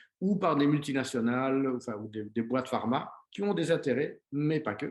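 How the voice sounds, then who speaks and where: A man speaks with a Liège accent and a fairly high pitch. His pitch moves in an ordinary way. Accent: Belgian (Liège). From Belgium, Liège region. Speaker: biochemist and wellness coach. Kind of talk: conference talk.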